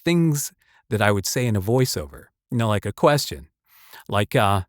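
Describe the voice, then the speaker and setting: A man's voice: on the low side, expressive, moderate pace, no echo, clean studio sound. A man speaking as a voice actor giving casual advice, rambling and emphatic in a conversational way. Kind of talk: casual advice talk to camera or mic.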